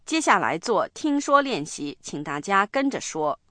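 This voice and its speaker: A woman hosting a radio language lesson, explaining slowly and spelling words out one letter at a time. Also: mid-range voice, very animated, heavy background noise. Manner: slow, deliberate explaining and spelling. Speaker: language program host. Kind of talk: bilingual lesson narration.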